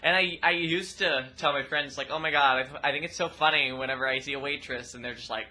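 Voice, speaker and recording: A young trans woman with a rather deep voice, talking expressively and loudly in a casual personal vlog. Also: quick pace. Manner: expressive, loud, laughs often. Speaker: vlogger.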